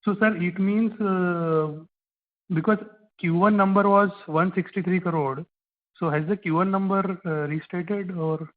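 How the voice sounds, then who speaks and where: A man's voice: sits high, fairly even intonation, measured pace. A man with an Indian accent asking financial questions as an analyst on a call. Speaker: analyst caller. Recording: narrow telephone line.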